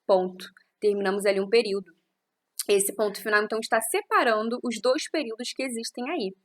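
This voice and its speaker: A woman's voice: a little high, brisk. A woman teacher recording an audio lesson close to the microphone, explaining patiently and checking in with her students through frequent tag questions. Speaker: Portuguese teacher.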